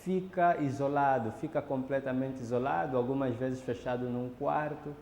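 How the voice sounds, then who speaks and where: A man's voice: medium pitch, moderate pace, darkish tone, a little hiss or hum. A man explaining ritual practice in a documentary interview, lecturing and often adding tag questions. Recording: roomy echo with long reverb.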